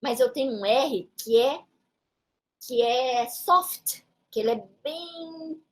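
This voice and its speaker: A woman's voice: high voice, slow pace. A woman teacher with a São Paulo Brazilian Portuguese accent, explaining a lesson patiently and checking in with short tag questions. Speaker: English teacher. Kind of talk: classroom-style lesson explanation.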